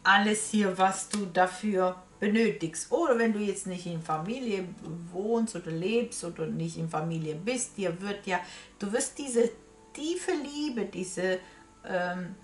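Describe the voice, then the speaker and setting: A woman's voice: medium pitch, a little slow. A woman giving a casual tarot reading to viewers, hesitant in phrasing and often repeating herself, recorded in a small room. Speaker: tarot reader. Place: small room crowded with statues and cards. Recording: roomy echo from camera distance.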